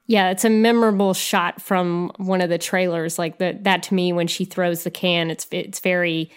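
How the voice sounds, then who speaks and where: A woman's voice: on the low side, steady tone, moderate pace, clean tone. A woman co-hosting a podcast, talking casually about a movie with many restarts and fillers. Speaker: podcast co-host. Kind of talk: casual film discussion.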